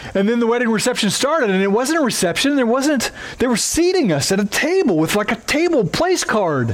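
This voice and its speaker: With an Oklahoma accent, a man talks at a fairly quick pace with an extremely high pitch and very wide pitch swings over noticeable background noise. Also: very even loudness. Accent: Oklahoma twang, Southern US. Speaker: pastor. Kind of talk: sermon. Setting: church.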